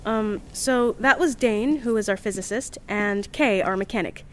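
A woman's voice: mid-range voice, normal speed, a little hiss or hum, lightly acted. An actress playing a chirpy, earnest, polite young woman on a science team, gushing and easily flustered, in an audio drama. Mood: fond, flustered. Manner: bubbly, gushing, hesitant when flustered. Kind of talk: audio drama, recorded diary.

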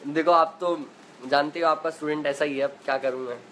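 A young man with a slightly high voice hosts a casual phone live chat from his home. He reads viewers' comments aloud and chats back in a loose, talkative way, full of fillers and easy laughs. A faint hiss sits under the recording. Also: fairly even intonation, brisk, a bit bright, rough recording. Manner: chatty, laughs easily, uses filler 'matlab' and 'yaar'. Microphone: phone in selfie view.

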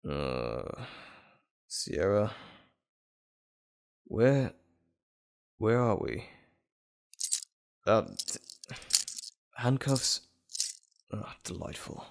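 A man's voice: fairly low pitch, big pitch swings, drawn-out words, vocal fry, long pauses, heavily acted. A man playing a wry, anxious civilian doctor held captive in an audio drama. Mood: groggy.

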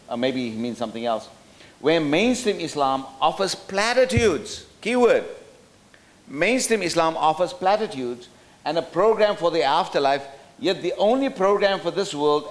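A middle-aged man from South Africa giving a talk at a roundtable from a podium in a hotel function room, thoughtful and hesitant with many fillers and restarts. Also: fairly high pitch. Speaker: speaker at a roundtable. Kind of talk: lecture with slides. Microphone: podium microphone.

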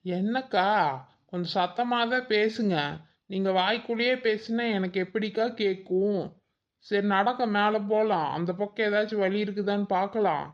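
A man's voice: high voice, moderate pace, lo-fi sound, natural voice. A man voicing a fretful, hungry village woman in a cartoon who keeps complaining. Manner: whiny, complaining, hunger-obsessed. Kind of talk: cartoon voice acting.

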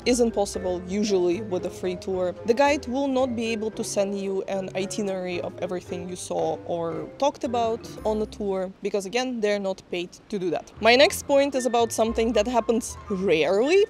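A young woman tour guide in her twenties, briskly explaining to the camera on a city street with a handheld mic. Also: medium pitch, darkish tone, faint music behind. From Czech Republic. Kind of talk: vlog talking to camera. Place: cobbled city street outdoors.

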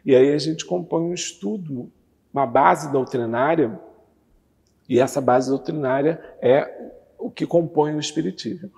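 A man in his fifties, a guest on a TV interview, calmly explaining a religious doctrine with lively hand gestures, on a lapel mic in a curtained studio. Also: on the high side, measured pace, creaky, husky, in a large hall. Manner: animated, gestures with both hands while talking. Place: TV studio with red curtain backdrop.

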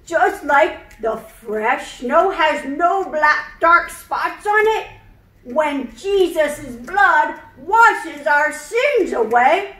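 Woman voicing high, slow, earnest elderly puppet teacher. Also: expressive, sharp tone, exaggerated voice. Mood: solemn, instructive. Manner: slow, emphatic, preacherly explaining. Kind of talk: children's puppet show, scripted Bible lesson. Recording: roomy echo, distant microphone.

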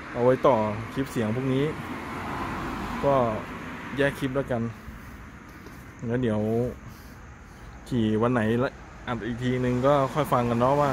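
A man filming a casual vlog by the roadside at night, chatty and exclaiming often as he talks through what he sees. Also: mid-range voice. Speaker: motorcycle vlogger. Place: roadside at night beside traffic. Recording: noisy roadside camera audio. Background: passing cars and engine noise.

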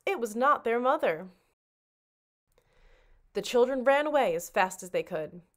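A woman reading a children's storybook aloud like a librarian, with expressive, dramatic narration. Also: fairly high pitch, measured pace.

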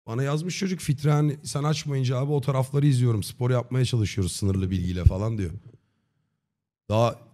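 A man in his thirties chatting casually on a livestream in a slangy, joking, deadpan way. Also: mid-range voice, fairly quick. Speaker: live streamer. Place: dim indoor streaming room. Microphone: close desk microphone with headset on.

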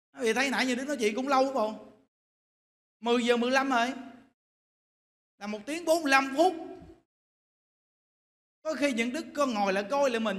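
A Buddhist monk giving a lively sermon, talking directly to his listeners. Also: extremely high pitch. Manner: lively, animated storytelling, addresses the audience directly. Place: temple hall. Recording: echoey hall with faint noise.

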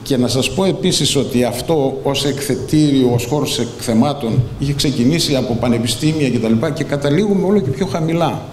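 A man's voice: mid-range voice, hardly any pauses, a little mellow. Older man making loose podium remarks. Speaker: speaker inviting guests to the fair. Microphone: podium microphone. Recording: echoey hall, faint noise.

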